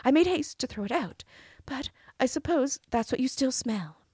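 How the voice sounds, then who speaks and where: Woman putting on a cunning storybook princess, high sweet coaxing, breathy, dry sound. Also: lively intonation, moderate pace, darkish tone, no room sound.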